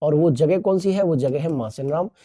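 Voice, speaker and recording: A man's voice: on the high side, moderate pace, mellow, dry recording. A male teacher giving a recorded class, playful, repeating key terms and asking the class questions. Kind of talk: recorded online class lecture.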